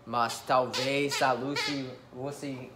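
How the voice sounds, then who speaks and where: A young man with an American English accent, a native English speaker, chatting casually and haltingly as he searches for words in his learned language. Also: mid-range voice, little pitch movement, noisy background. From United States. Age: young adult. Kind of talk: casual question-and-answer chat. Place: small living room, on a couch.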